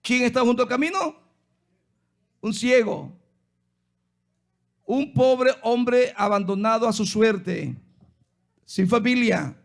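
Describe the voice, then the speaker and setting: A man with a Honduran Spanish accent, a pastor preaching a sermon slowly and acting out the Bible quotes he tells. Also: extremely high pitch.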